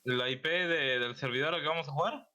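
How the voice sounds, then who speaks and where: A young man chatting casually while live gaming, excitable and repeating words insistently. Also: fairly high pitch, fairly quick. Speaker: gaming streamer.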